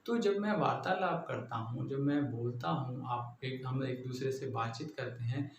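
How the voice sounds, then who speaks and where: A man's voice: medium pitch, normal speed. A man from Punjab with a Punjabi accent gives a patient classroom lecture, explaining step by step and often checking that his listeners follow. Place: classroom with a board. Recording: echoey room, faint background noise.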